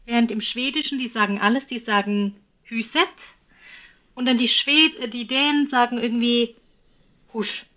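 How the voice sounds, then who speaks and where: Guest: chatty woman with a Norwegian accent, higher voice, muffled recording. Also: moderate pace, a bit bright. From Norway. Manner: chatty, laughs often, explains with examples. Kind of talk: casual chat.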